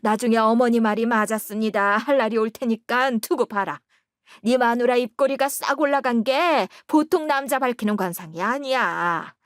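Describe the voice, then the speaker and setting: A woman voicing a spiteful older mother-in-law who scolds loudly and accuses. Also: moderate pace, no room sound, studio quality, close to an everyday voice. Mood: bitter scolding. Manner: shrill, accusing, loud scolding.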